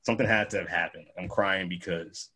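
Young male podcast co-host, slightly low voice, animated and profane, does high voices when he quotes people. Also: fairly quick. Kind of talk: casual chat.

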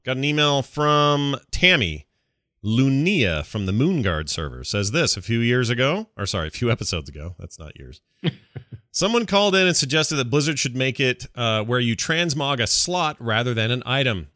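A man's voice: medium pitch, expressive, moderate pace, bright, forceful tone, no room sound, studio quality. A man co-hosting a gaming podcast in a casual, conversational style. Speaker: podcast co-host.

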